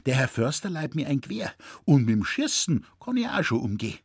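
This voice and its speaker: A man voicing a polite young villager who speaks in a calm, consoling way. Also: mid-range voice, a little fast, breathy edge, no room sound, studio quality, pitched above the performer's own voice. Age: young adult.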